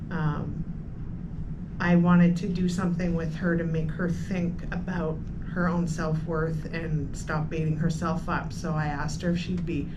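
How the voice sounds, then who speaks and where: A woman's voice: deep voice, highs cut off. A woman filmmaker and mother speaking earnestly and reflectively in a casual chat, recorded on a handheld phone in a venue. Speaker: filmmaker guest. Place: screening venue with audience. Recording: phone recording with background noise.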